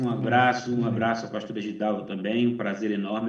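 Fairly quick speech from a man at medium pitch, with fairly even intonation and audible room echo. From Bahia, northeastern Brazil. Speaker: missionary pastor. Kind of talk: missionary report presentation to a church.

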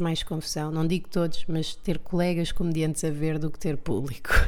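The speaker has a European Portuguese accent and ordinary pitch variation. Room echo is audible. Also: woman. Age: 30s. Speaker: comedian. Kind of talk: casual monologue.

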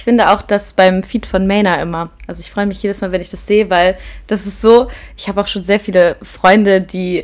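Talking at a fairly quick pace, a woman has an unremarkable speaking voice at medium pitch. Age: 20s. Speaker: art student. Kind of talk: casual chat.

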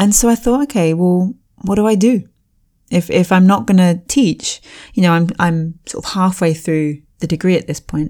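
Here a woman talks with an English accent at a medium pitch and a moderate pace. Her tone is dark and mellow, with ordinary pitch variation. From UK. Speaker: language teacher and content creator. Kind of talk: interview conversation.

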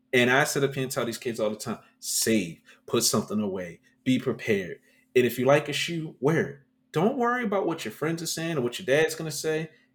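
A man talks fairly quickly with a fairly high pitch and very wide pitch swings. His tone is animated, with vocal fry. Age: 30s. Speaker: sneaker podcast co-host. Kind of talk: casual chat.

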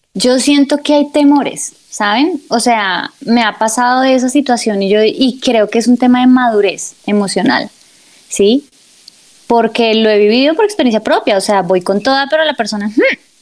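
A woman with a high pitch speaks with ordinary pitch variation and very even loudness. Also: moderate pace. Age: 30s. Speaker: podcast co-host. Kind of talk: casual chat.

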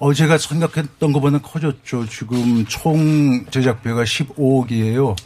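Speaking very slowly yet with hardly any pauses, a man keeps his intonation fairly even while noticeable background noise runs behind him. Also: medium pitch for a man. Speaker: actor and film director. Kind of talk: interview.

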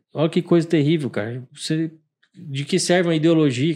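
On a very clean recording with a silent background, a man speaks at a fairly quick pace in a plain, everyday voice. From Brazil. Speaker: podcast co-host. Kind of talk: casual chat. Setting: studio.

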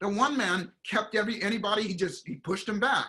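A man speaks at a fairly quick pace in a raised, projected voice with an animated tone. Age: 60s. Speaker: performance coach and speaker. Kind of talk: interview.

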